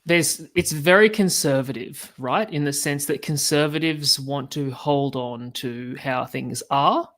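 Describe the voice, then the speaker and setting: A guest on a live stream speaking in a measured, tentative way, hedging before making points. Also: mid-range voice, a bit bright. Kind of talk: conversational discussion.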